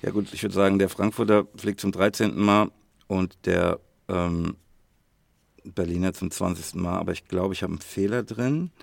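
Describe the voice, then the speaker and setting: Low, creaky-voiced man, very dry sound. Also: steady tone, normal speed, dry recording. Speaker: podcast co-host. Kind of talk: casual chat.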